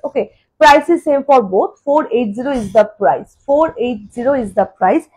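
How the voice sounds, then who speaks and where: A high-voiced woman with a husky edge sells jewellery on a phone live stream. She says each price slowly, two or three times over, then breaks into quick, chatty bursts between pieces. Her tone is casual and repetitive, like a seller talking to viewers. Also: animated, a little mellow, poor audio. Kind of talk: live-stream sales talk. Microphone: phone camera.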